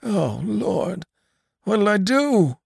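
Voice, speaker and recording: A man voicing a fretful, stubborn old male storekeeper with a creaky, quavering voice. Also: fairly high pitch, wildly swooping pitch, normal speed, a little mellow, dry recording, studio quality, voice pushed up, heavily acted. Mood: anxious. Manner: groaning, anxious, later furious.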